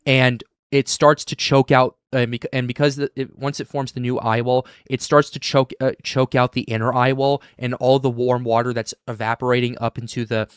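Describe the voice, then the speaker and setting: Halting man hosting a live weather stream. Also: medium pitch, flat delivery, clear, resonant tone, no room sound, clean studio sound. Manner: halting, many restarts. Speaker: livestream host.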